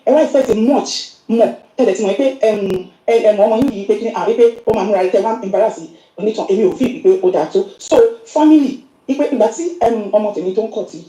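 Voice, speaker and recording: A woman's voice: medium pitch, very fast, dark tone. A middle-aged woman with a Yoruba accent, sending an earnest voice message that is played on the show and mixing English into her talk. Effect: recorded voice message played on the show. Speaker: caller sending a voice note. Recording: roomy voice message.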